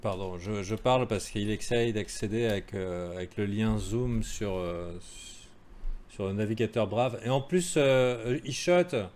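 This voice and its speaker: A man's voice: on the low side, a little slow, darkish tone. A man giving a live crypto chart analysis in a casual, joking way, with many fillers and asides to viewers. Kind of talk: live-streamed market analysis.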